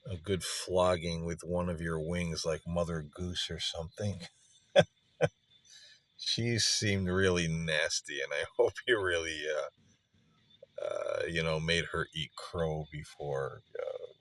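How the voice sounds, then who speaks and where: A middle-aged man hosting a spirit session, speaking reflectively and earnestly in halting phrases with pauses mid-sentence. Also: deep voice, fairly even intonation, fairly bright tone, no room sound. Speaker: spirit box session host. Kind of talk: slow reflective monologue addressed to a spirit.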